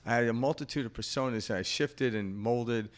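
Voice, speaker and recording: A man's voice: medium pitch, fairly quick. A man in his fifties co-hosting a podcast, talking in a rambling, reflective way with lots of fillers and easy laughter. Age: 50s. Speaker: podcast co-host. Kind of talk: casual spiritual chat.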